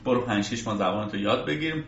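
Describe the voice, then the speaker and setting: A man's voice: fairly low pitch, creaky, a bit bright. A man interviewing someone in a conversational style. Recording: echoey distant mic, muffled, faint hiss.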